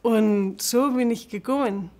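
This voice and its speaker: Slow, hesitant Spanish-accented woman. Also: on the high side, mellow. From Spain. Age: 40s. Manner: hesitant, many fillers, laughs often. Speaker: interview guest. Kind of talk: casual interview, non-native German.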